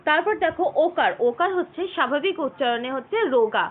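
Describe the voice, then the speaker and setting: A woman teacher giving an online grammar lesson, explaining slowly and spelling words out letter by letter. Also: high voice, lively intonation. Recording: tinny phone-like audio.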